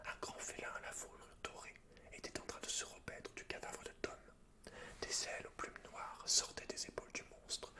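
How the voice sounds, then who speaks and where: Man, ASMR gaming host, full breathy whisper, soft hushed storytelling, reading fantasy lore. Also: very high voice.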